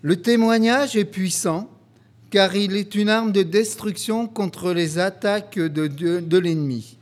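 Male preacher, high voice, earnest sermon delivery with scripture reading. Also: a little slow. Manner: earnest, reads scripture aloud steadily.

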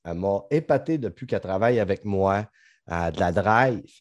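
A man's voice: fairly low pitch, animated, fairly quick, no echo, lo-fi sound. A middle-aged man with a Saguenay Quebec French accent, hosting a casual podcast chat, joking bluntly and swearing freely. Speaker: podcast host.

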